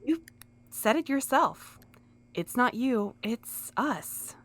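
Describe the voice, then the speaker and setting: A woman playing a gentle, earnest, sometimes exasperated courier in an audio drama. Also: fairly high pitch, lively intonation, slow. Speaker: voice actor in a fiction podcast. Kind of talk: scripted audio drama acting.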